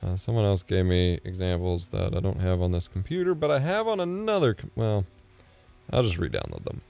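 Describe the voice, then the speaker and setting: A man in his thirties live-streaming from his home setup as he edits video, thinking out loud and muttering asides under his breath. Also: low-pitched, sing-song, fairly quick, creaky. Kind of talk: casual live-stream commentary while video editing. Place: home streaming room, indoors. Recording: dry close mic with faint music.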